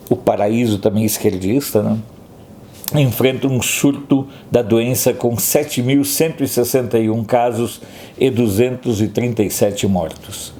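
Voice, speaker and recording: A man with a Brazilian accent runs through the day's headlines like a commentator, breaking off for sarcastic remarks of his own. His voice is mellow and dark. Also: medium pitch, slight background noise. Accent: Brazilian Portuguese. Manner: sarcastic asides between headlines. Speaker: news commentator. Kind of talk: opinionated headline review.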